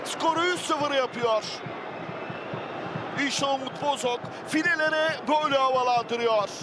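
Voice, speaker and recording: High-pitched excited football commentator, man. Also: a little slow. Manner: excited, shouts out goals. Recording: loud stadium crowd noise. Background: roaring football stadium crowd.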